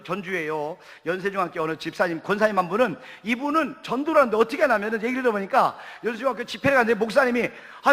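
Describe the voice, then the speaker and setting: A male pastor delivering a sermon in a church, his voice pitched high and his words coming quickly. He tells stories with a humorous, lively touch. A long hall reverb trails behind him.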